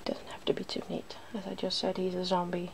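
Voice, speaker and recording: A woman hosting an ASMR video, softly whispering in a breathy, playful way as she talks through what she is doing. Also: on the low side, completely flat delivery, fairly quick, a little hiss or hum. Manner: playful, giggly. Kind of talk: ASMR, softly narrating a face-paint makeover.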